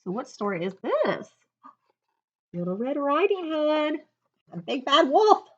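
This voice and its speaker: Bright, animated woman reading a picture book. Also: high voice, measured pace, highs cut off. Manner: expressive, dramatic storytelling. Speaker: librarian reading aloud. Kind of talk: children's picture-book read-aloud with asides. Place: living room couch, indoors.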